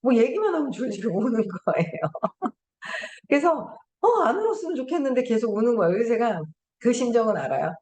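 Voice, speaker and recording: A woman's voice: on the high side, expressive, fairly quick, darkish tone, roomy sound. A middle-aged woman hosting a casual lecture, telling stories in a chatty way and laughing often. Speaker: host.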